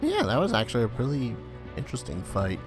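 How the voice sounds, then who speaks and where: A man's voice: medium pitch, huge pitch swings, fast. A man giving casual game commentary, muttering asides with some mild swearing and now and then reading game text aloud. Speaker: let's play host. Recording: game music behind voice. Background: video game music.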